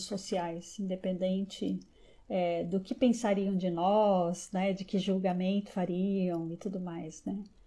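At a very slow pace, a woman with a medium pitch speaks in a dark, mellow, somewhat breathy tone and a monotone, flat intonation. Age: 50s. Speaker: psychologist. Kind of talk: live stream reflection. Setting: live video stream. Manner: halting.

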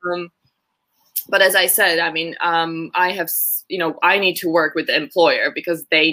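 With a Slovak accent, a woman speaks in a fairly low pitch with a bright, sharp tone and fairly even intonation. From Slovakia. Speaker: vet. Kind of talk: casual chat. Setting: live stream on social media.

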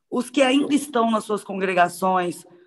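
With a medium pitch, a woman delivers her words at a moderate pace. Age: 30s. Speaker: city councillor. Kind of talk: speech at online event.

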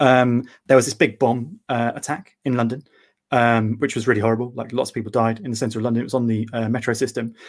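With an English accent, a man talks at a very fast pace, his medium pitch held in fairly even intonation. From England. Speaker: author. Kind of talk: casual chat.

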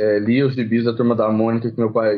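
A man talks at a fairly quick pace with a medium pitch. It is an ordinary speaking voice. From Brazil, Minas Gerais (Uberlândia). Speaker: comic artist. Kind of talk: interview.

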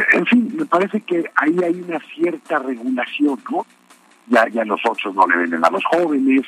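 Very wide pitch swings run through the speech at a moderate pace. Noticeable background noise sits underneath. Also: man, fairly high pitch for a man. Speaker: political strategist. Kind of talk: radio interview.

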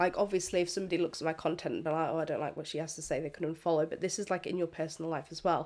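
Speaking very fast in a British accent, a woman holds a fairly low pitch with monotone, flat intonation. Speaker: podcast host, mindset coach. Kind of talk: solo podcast monologue. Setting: home recording. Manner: rambling, filler words.

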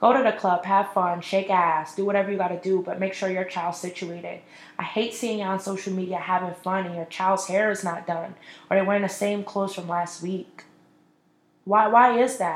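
This woman has a plain, everyday voice at a medium pitch. She keeps a moderate pace and fairly even intonation. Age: 20s. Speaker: podcast host. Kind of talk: casual solo talk.

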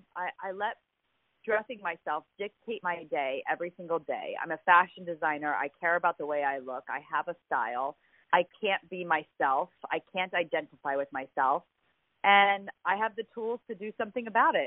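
Using a normal speaking voice, a woman with an American accent talks at a moderate pace in a fairly low pitch with lively intonation. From Ohio, US Midwest. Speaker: lingerie brand founder and fashion designer. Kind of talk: interview.

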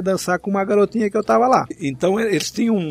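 Recorded with a dry, close sound and no echo, a man is talking. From Blumenau, Santa Catarina, Brazil. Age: 60s. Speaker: podcast guest, host's father. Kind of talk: casual chat.

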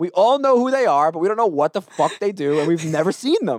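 A man talks at a fairly quick pace with a high pitch and very wide pitch swings, in a dry, close sound with no echo. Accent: New York. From Staten Island, New York. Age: 30s. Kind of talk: casual chat.

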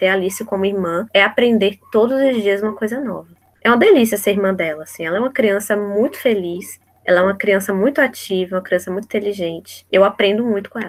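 Talking at a very fast pace, a woman with a medium pitch uses ordinary pitch variation. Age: 20s. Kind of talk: interview.

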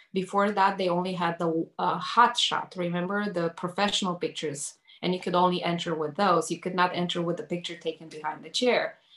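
With a Romanian accent and a fairly low pitch, a woman speaks at a fairly quick pace with hardly any pauses and fairly even intonation over noticeable background noise. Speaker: hairstylist and educator. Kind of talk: interview storytelling.

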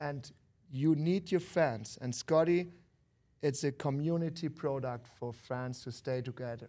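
In a German accent, a man speaks fairly slowly in a dark, mellow tone, his pitch fairly high with ordinary variation. The recording is very clean, with a silent background. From Germany. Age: 40s. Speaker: founder of a grill company, former professional athlete. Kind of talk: casual interview. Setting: trade show, in person.

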